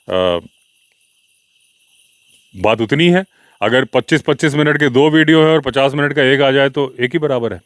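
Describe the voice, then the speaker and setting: A man's voice: mid-range voice, no echo. Casual male podcast host, mid-range voice, dry close mic, crickets faintly behind. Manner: conversational, explaining and answering viewer comments in a mildly defensive tone. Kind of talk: casual solo podcast talk.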